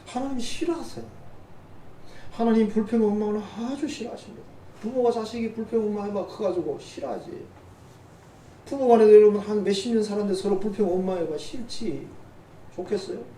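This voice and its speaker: A man's voice: high-pitched, fairly quick, dark tone, slight background noise. A middle-aged man preaching a sermon as a pastor, in a conversational way with teasing asides to the congregation. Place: church sanctuary. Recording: roomy church sound from a distant mic.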